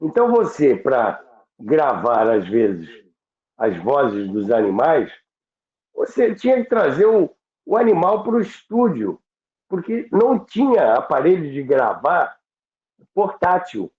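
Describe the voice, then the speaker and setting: A Brazilian man explaining things informally as an interview guest, halting and repeating words, with rhetorical questions. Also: fairly high pitch, big pitch swings. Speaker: interview guest on radio history. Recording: phone-like thin sound, echoey room.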